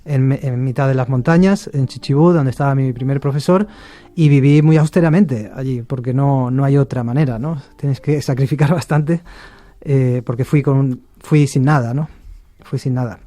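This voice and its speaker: A middle-aged man from Argentina, a shakuhachi musician, talking in a relaxed interview with many fillers and restarts. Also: mid-range voice, moderate pace, no room sound.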